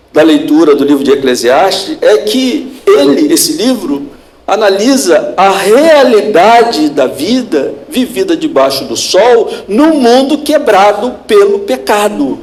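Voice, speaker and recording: A man from Brazil, a pastor, preaching a sermon slowly and deliberately, repeating phrases and asking rhetorical questions. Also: high voice, a little mellow. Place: church hall. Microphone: handheld or stand mic with feedback.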